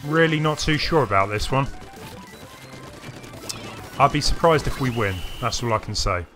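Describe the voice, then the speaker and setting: A man's voice: medium pitch, lively intonation, normal speed, sharp tone. Man chatting on a game livestream over music. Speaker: live streamer playing a video game. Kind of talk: casual livestream chat to viewers. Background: music playing behind the voice.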